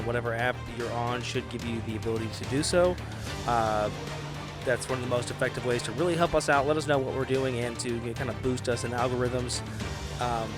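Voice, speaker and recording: A man with a medium-pitched voice talks casually as a podcast host and player. His phrasing is loose and informal, and music plays clearly behind him. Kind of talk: casual chat.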